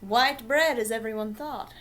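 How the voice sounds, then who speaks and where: A woman's voice: fairly high pitch, unhurried, a bit bright. A woman playing a gossipy, scandalized storyteller, drawing out a comic monologue dramatically. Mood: sly, teasing. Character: scandalized storyteller recounting father's sordid small-town secret. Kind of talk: comedic character monologue.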